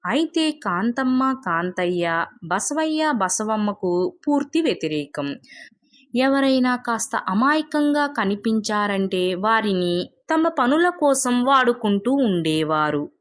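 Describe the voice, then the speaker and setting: Woman storyteller reading out a moral story, scripted narration, mid pitch.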